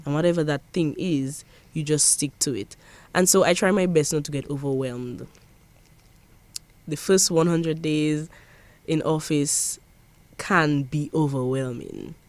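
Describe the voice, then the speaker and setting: In a measured, low-pitched voice with a darkish tone and no echo, a young parliamentary secretary from Dominica answers interview questions. Her Dominican accent comes through as she speaks earnestly and emphatically, often restarting.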